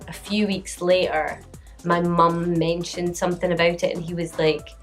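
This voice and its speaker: A woman's voice: fairly low pitch, flat delivery, normal speed, soft background music. A woman in her late twenties telling a storytime vlog in a chatty way, often breaking into laughter. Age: late 20s. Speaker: vlogger.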